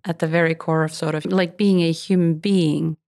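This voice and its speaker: Woman interviewer, deep fry-tinged voice, warmly affirming her guest. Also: fairly even intonation, moderate pace, dry recording, studio quality. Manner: affirming, encouraging listener. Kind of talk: conversational interview.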